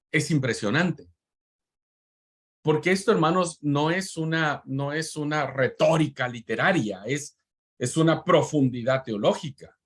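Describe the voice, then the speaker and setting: A man teaching a Bible class in a preaching manner, fervent, repeating words for emphasis and addressing his listeners as brothers. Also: on the high side.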